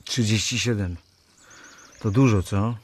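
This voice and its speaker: A man's voice: lowish voice, measured pace, a little hiss or hum, close to an everyday voice. A man playing a guarded, wry thirty-seven-year-old in a radio drama.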